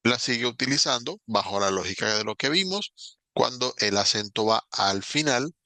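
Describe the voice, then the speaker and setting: A man, an English teacher explaining grammar patiently in a recorded online lesson and slowing down to spell out examples. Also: mid-range voice, animated, bright, forceful tone, dry recording.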